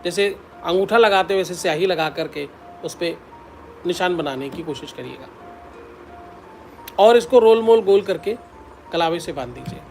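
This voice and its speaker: A man's voice: sits high, normal speed, gravelly, pauses often, faint music behind. A man, a spiritual teacher, giving devotional advice in an instructive way, repeating the key steps and intoning mantras.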